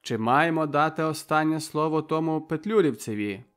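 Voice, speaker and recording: A man's voice: on the high side, normal speed, fairly bright tone, clear, resonant tone, soft background music, natural voice. A man doing a stern rebel chairman. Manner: formal, declaiming like a chairman. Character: commanding male rebel leader presiding over a trial.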